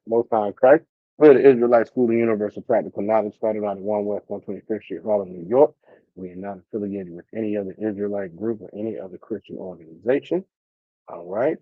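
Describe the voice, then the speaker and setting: Low-voiced man teaching an online class. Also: no echo, dull audio. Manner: loose and repetitive, many fillers.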